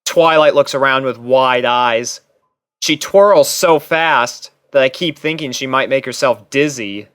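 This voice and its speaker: A man narrates a first-person story from a script. His voice is lowish to medium in pitch, recorded dry and close with no room sound. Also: unhurried, a bit bright, clean tone, dry recording. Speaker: narrator and reader.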